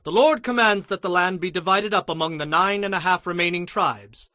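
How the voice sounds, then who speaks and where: A man's voice: high-pitched, a little fast, pushed and bright, dry recording, clean studio sound. An actor playing a male prophet and leader who addresses his people in a commanding, declamatory way in an audio scripture drama.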